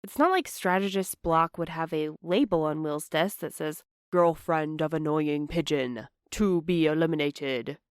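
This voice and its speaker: A woman playing an anxious, apologetic young postal worker in a fiction podcast, earnest and halting in her delivery. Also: low voice, smooth, no room sound, studio quality. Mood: guilty, hesitant. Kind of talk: fiction podcast audio drama acting.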